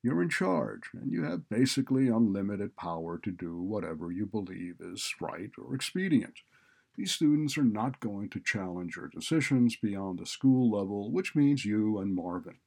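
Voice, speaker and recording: Man acting a blunt, cynical college boss, low-voiced. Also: expressive, moderate pace, gravelly, a little mellow. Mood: cynical, breezy. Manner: blunt, sardonic, browbeating. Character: cynical, bullying male college administrator, brusque and threatening.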